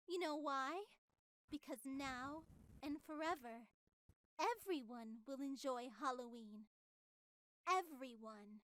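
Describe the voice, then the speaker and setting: A woman's voice: high voice, fairly bright tone. A woman voicing an unhinged, childlike artificial superintelligence in a horror visual novel, theatrical and grandiose, swinging between sweet and menacing. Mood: eerie, resolute. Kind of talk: scripted visual novel voice acting.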